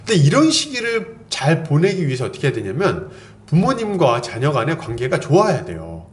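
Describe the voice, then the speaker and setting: Male pastor preaching an earnest, admonishing sermon with a fairly high, lively voice, recorded in a roomy church hall. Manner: earnest, admonishing, acts out quoted lines. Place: church sanctuary.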